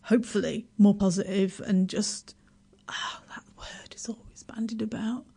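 A middle-aged Yorkshire woman, speaking with a Yorkshire accent, is a guest in a casual radio interview. Her mid-range voice is fairly even, creaky, mellow, slightly rough and whispered. She laughs often, pokes fun at herself, and her chatty sentences stumble and restart.

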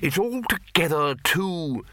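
A bellowing old wizard chief with a brusque, clipped way of talking, as a man puts him on. The voice sits high and carries a bright, hard edge. It sounds dry and close. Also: expressive, slow pace, no room sound, heavily acted. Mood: blustering.

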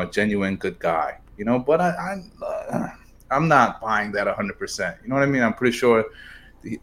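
Rambling man in casual podcast chat. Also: fairly low pitch. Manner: rambling, many "you know"s. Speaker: podcast co-host.

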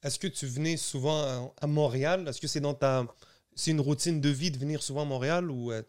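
A man's voice: on the high side, a little fast, clear, resonant tone. A man co-hosting a podcast, asking questions in a hesitant, polite way. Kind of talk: casual podcast interview.

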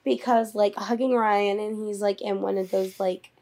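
A woman's voice: mid-range voice, fairly even intonation, normal speed, warm tone. A woman in her thirties co-hosting a podcast, blunt and swearing freely as she tells dramatic stories, worn out after an illness. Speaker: podcast co-host. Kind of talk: casual chat.

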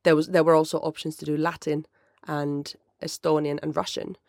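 Thirties, gravelly, dry close sound, rambling solo chat. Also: medium pitch, level tone, moderate pace, no echo. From Finland. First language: Finnish. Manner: mellow, rambling, self-correcting. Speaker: podcast host. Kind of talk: casual solo chat answering listener questions.

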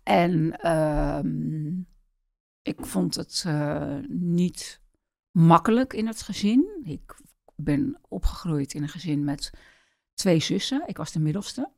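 A middle-aged woman from the Netherlands telling her life story in an interview, speaking hesitantly with many pauses. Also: sits low, expressive, gravelly, mellow, no room sound, studio quality. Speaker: interview guest.

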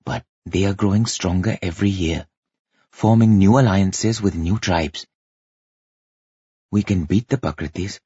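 Man acting out a deep, brooding tribal chief. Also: mellow, slightly rough, dry recording, dull audio, exaggerated voice. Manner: musing, inward. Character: brooding young male tribal chief thinking to himself.

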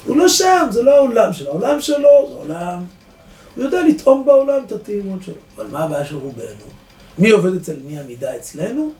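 A man, a rabbi giving a lively Torah lesson to a live audience, asking rhetorical questions and swinging between loud and soft. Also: high-pitched. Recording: echoey room, distant mic, faint noise.

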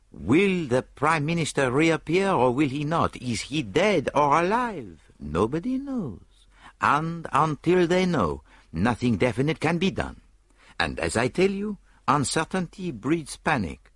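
A fussy, excitable Belgian detective, as a male narrator puts him on, in a storybook reading. His voice sits high and swings all over with a breathy, husky edge. The recording is close and dry. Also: no echo, heavily acted. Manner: theatrical, rising pitch, quick bursts. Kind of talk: audiobook character voice.

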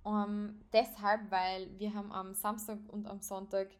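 A woman's voice: medium pitch, level tone, unhurried. A young adult woman with an Austrian accent hosting a solo podcast in casual, unscripted chat, sprinkling in English phrases. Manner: informal, sprinkles English phrases into her talk. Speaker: podcast host.

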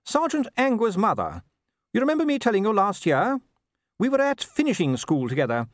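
A genteel aristocratic wife played by a male audiobook reader, pitched well up high. The delivery is chatty and gushing, with lively swoops and a fond, reassuring air. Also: brisk, dry recording, studio quality. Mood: breezy, gossipy. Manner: chatty, gushing, upper-class turns of phrase. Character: genteel aristocratic middle-aged wife, breezy, fondly reassuring. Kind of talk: audiobook character voice.

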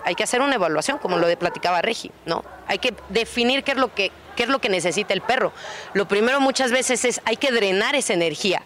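A woman with a Mexican Spanish accent, co-founder of a dog daycare, is a guest on a radio show, talking casually and animatedly about dogs and acting out little dialogues. Her voice is medium-pitched and a bit bright, with a little hiss or hum in the audio.

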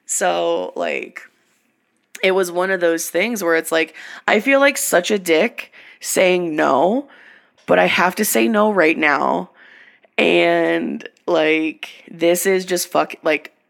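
A woman co-hosting a podcast talks in a slow, unhurried way, with a gravelly edge to a lower voice. She is a touch hoarse from a recent illness. Her pitch swings widely as she curses casually and acts out back-and-forth dialogue. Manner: animated, swears a lot, acts out quoted exchanges. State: slightly hoarse after illness. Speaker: podcast co-host. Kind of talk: casual profane chat.

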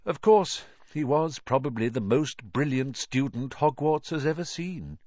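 A man voicing a gentle, wise elderly headmaster who speaks softly. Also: mid-range voice, expressive, unhurried, no room sound, muffled recording, pitched above the performer's own voice. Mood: explaining. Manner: gentle, soft-spoken.

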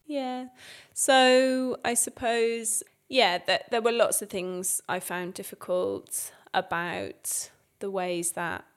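A woman with an English accent, answering interview questions in a relaxed, thoughtful way with frequent fillers and restarts. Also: mid-range voice, slow pace, clean tone. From England. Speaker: guest. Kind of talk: conversational interview.

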